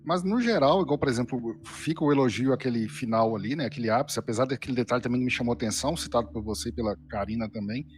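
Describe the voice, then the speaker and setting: A man's voice: mid-range voice, fast talker, few pauses. Brazilian man giving a hesitant casual critique. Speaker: guest reviewer. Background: faint background music.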